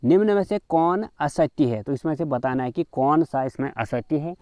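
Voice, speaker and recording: A man's voice: fairly high pitch, normal speed, a little mellow, dry recording, studio quality. A man teaching a grammar lesson in quiz form. He reads each question aloud and then explains the answer, with frequent fillers, calling his viewers friends.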